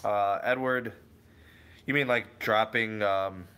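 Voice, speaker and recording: Bright-voiced man hosting a tech livestream. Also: on the low side, steady tone, slow pace, smooth. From Cleveland area, USA. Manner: rambling, self-correcting, answers viewers by name. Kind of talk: casual live chat reading viewer comments.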